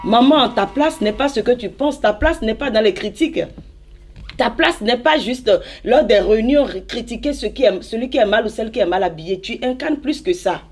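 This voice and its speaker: A woman's voice: a little high, lively intonation, normal speed. A woman from Benin, an evangelist exhorting mothers in a church interview with emphatic repetitions.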